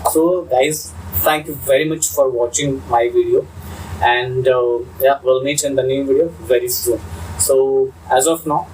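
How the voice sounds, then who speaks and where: A young man with an Indian accent telling his own story unscripted as host of his channel, halting with many fillers and restarts. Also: mid-range voice, fairly even intonation, darkish tone. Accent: Indian English. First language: Hindi. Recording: distant mic with faint ambient noise.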